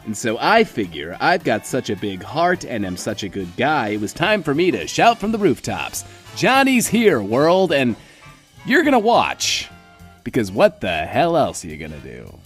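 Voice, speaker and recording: An actor playing a self-absorbed post-apocalyptic radio host in a comedy, with showy, sardonic, mock-boastful patter. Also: male voice, mid-range voice, wildly swooping pitch, moderate pace, faint music behind. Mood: smug, gleeful. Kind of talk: comedic audio drama radio DJ acting.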